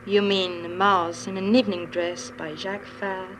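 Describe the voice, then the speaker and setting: A woman's voice: mid-range voice, little pitch movement, normal speed, crowd noise, lightly acted, rough recording. A woman playing a blunt, flirty showgirl.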